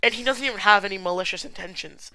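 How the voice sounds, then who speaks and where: A podcast host with a blocked nose and sore throat chats casually and shares opinions in a solo film review, sounding congested. He speaks fast at a medium pitch, with a pushed, bright quality. The recording is rough but free of echo.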